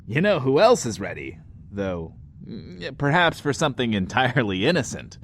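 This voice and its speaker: Swooping, cocky radio DJ. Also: male voice, mid-range voice, very animated, moderate pace, a little hiss or hum. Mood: cocky, teasing. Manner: drawling, refers to himself in third person. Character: cocky, flirtatious male radio DJ, secretly soft-hearted. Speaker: radio show host. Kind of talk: in-world radio DJ acting in an audio drama.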